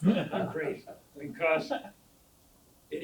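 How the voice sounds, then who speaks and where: Audible room echo around a man's voice, its pitch varying in an ordinary way. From New England, US (New Bedford, Massachusetts). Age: 80s+. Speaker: author and historian. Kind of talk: audience Q&A talk. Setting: club meeting with live audience.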